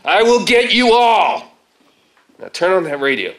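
A middle-aged man on stage playing a gruff, take-charge survivor of a zombie attack in a radio play, with folksy phrasing. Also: sits high, sing-song, a little slow, full character voice. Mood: alarmed, angry. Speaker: stage actor reading a script. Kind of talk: live radio-play acting. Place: theater stage. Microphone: stand microphone. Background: loud music.

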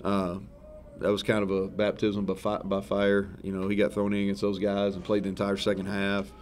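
This is a male head coach in his thirties, fielding questions after a football game at a mic-covered press table. His lowish voice is brisk, and there's a faint hiss or hum in the recording. He comes across as frank and easygoing, wandering off track and fixing his own words, with a sponsor backdrop behind him and several table microphones picking him up.

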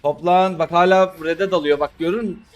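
A man narrates his mobile game match in a slightly high voice. He complains at his teammates in an exasperated way and breaks into excited shouts. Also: a little fast. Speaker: gamer streamer. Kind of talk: live gameplay commentary.

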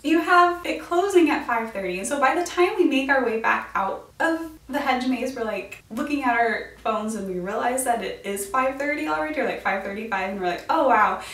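A young American woman in her twenties vlogs to camera in a slightly high, fairly bright voice, telling a story with chatty drama and quoted reactions. She's in a small, bright room with a bookshelf. The audio has a roomy echo from the distant mic.

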